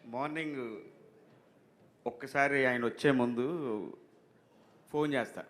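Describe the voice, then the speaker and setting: A man telling a comic anecdote about a film set, lively, acting out the people he describes. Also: medium pitch, unhurried. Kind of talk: comic storytelling.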